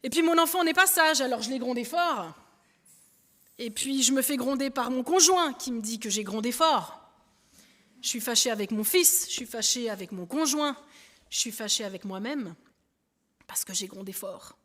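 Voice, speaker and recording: A woman with a high, bright-toned voice preaches in a relaxed, conversational way, turning to a helper and then to the congregation. Her words ring out with a long reverb, as in a church hall. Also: normal speed. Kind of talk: sermon illustration with a balloon.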